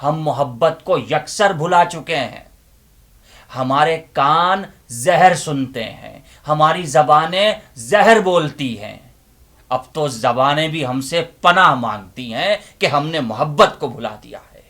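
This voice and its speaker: A man voicing mankind's anguished inner conscience in a theatrical, reproachful dramatic monologue, declaiming with drawn-out phrases and rhetorical questions. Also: a little high, animated, a bit bright. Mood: bitter, lamenting.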